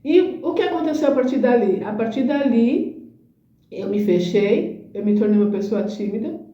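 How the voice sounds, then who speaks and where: A woman's voice: fairly high pitch, expressive, moderate pace, dark tone, far from the mic. A middle-aged woman hosting a talk, telling an emotional personal testimony and often adding little tag questions. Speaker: host. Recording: roomy echo, dull lo-fi sound.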